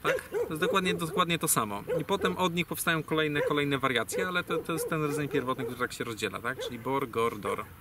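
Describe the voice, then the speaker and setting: Over a noisy crowd, a man with a fairly high voice talks fast with few pauses, meandering through a casual explanation packed with fillers and self-corrections. He's a guest speaker on language origins, picked up by a distant mic with faint ambient noise.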